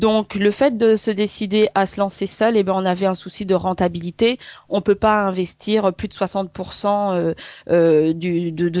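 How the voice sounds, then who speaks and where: Her voice is a plain, everyday voice, a woman's medium pitch carried with fairly even intonation. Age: 30s. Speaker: business client, women's advice service director. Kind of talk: testimonial interview.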